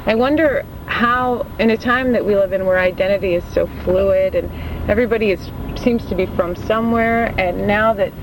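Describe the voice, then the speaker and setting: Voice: mid-range voice, moderate pace. Hesitant student asking a question. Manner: careful and hesitant, with fillers. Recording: clear background noise.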